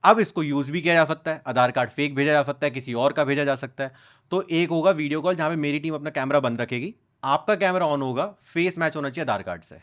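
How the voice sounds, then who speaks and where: Young guy on a podcast, kinda high voice, animated storytelling, hindi english mix. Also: fast talker. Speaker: podcast guest, content creator. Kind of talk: casual podcast conversation.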